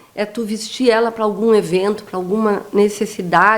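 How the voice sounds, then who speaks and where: Amid noticeable background noise, a woman speaks at a fairly high pitch with fairly even intonation. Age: 60s. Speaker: businesswoman, clothing shop owner. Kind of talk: interview.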